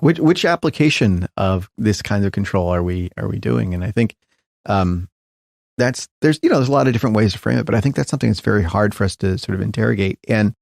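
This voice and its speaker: A man's voice: lowish voice, gravelly, darkish tone, no room sound, clean studio sound. A middle-aged man, a tech founder guest in an interview, talking thoughtfully with many restarts and fillers. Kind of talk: reflective interview conversation.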